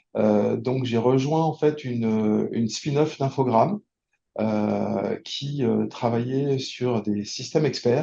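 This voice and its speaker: A man at medium pitch with ordinary pitch variation and a dark, mellow tone. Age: 60s. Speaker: company founder. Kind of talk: podcast interview. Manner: hesitant, many fillers.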